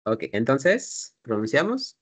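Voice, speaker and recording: A man's voice: mid-range voice, huge pitch swings, takes it slowly, husky. A man teaching an English class, explaining patiently step by step and drilling pronunciation.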